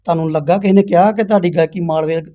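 A male interviewer asks long, probing questions at a quick clip. His pitch stays flat and even, and his voice sits a little high. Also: highs cut off. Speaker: interviewer for a news channel.

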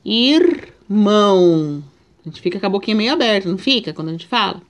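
A woman's voice: medium pitch, animated, rapid-fire, fairly bright tone. A Brazilian woman teaching a remote reading lesson to young children, patiently drawing out each syllable. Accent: Brazilian Portuguese. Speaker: primary school teacher.

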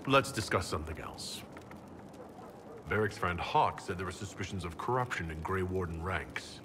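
Composed, inquiring male leader for a fantasy game: low, direct, noisy background ambience. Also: animated, unhurried. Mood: calm, inquiring. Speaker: game protagonist. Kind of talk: video game dialogue acting.

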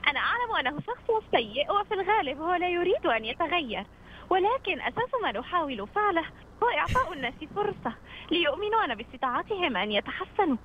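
A woman's voice: very high-pitched, sing-song, quick pace, pitched above the performer's own voice. A young woman voicing an earnest young cartoon heroine with a dramatic, pleading delivery, over a phone. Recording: dull phone line with noise.

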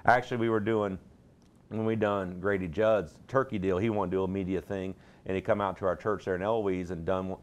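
A man's voice: sits low, steady tone, fairly quick. A middle-aged man, a pastor, talking in a plain-spoken, rambling, folksy way in a TV studio interview on a lapel mic. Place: TV studio set.

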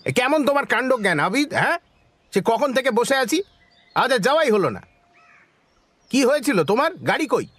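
An actor playing a brisk, dismissive village man in a Bengali horror audio drama. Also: very high-pitched, very animated, fairly bright tone, no echo, exaggerated voice. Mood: annoyed, scolding. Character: Birja, brisk, easily annoyed village man, narrator's friend.

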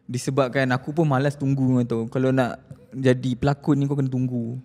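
A man's voice: mid-range voice, level tone, a little fast, a little mellow. A young man chatting casually on a podcast, talking in a laid-back, slangy and candid way. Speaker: podcast co-host. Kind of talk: casual chat. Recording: long hall reverb.

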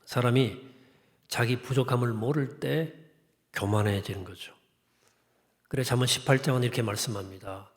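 A man's voice: medium pitch, moderate pace, long pauses. A middle-aged male pastor giving a sermon in a conversational way, asking the congregation questions and reading scripture in a formal cadence. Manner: conversational preaching with rhetorical questions.

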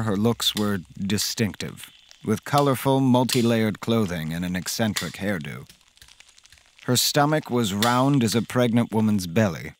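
An actor playing a polite, fussy accountant who tells a horror story in the first person, in a measured way. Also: male voice, lowish voice.

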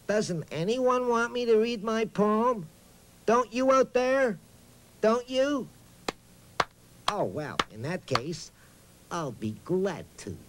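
A man's voice: high-pitched, expressive, extremely slow, long pauses, background noise, heavily acted. A man voicing a talking boot puppet on a children's reading show, eager and hammy, hesitating as he talks straight to young viewers. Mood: pleading, eager. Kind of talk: children's reading lesson, playful recitation.

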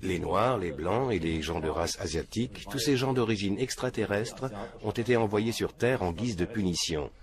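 Older man with a very deep, level voice. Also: expressive, normal speed, hardly any pauses, crowd noise. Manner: matter-of-fact, earnest, unshaken by questions. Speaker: interviewee. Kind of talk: documentary interview. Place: small room indoors, seated at a desk. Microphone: film crew mic off camera.

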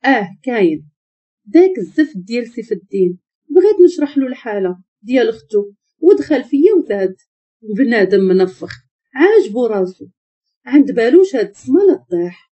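A woman with a Moroccan accent voicing a frightened young woman psychiatrist, pleading through tears in a husky voice. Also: on the high side, sing-song, a little fast, warm tone. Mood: irritated. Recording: muffled lo-fi recording.

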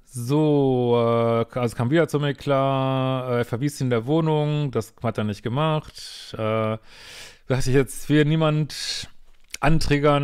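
A man's voice: mid-range voice, darkish tone, clear, resonant tone. Blunt, exasperated man giving relationship advice. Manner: exasperated, blunt, swears freely; halting restarts, tag questions. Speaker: psychologist. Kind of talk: casual commentary on a viewer's letter.

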